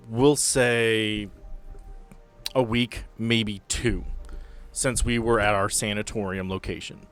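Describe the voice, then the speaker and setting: A man with a low-pitched voice narrates a tabletop roleplaying game as its game master, slipping into casual chat. Music plays faintly behind him. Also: a bit bright.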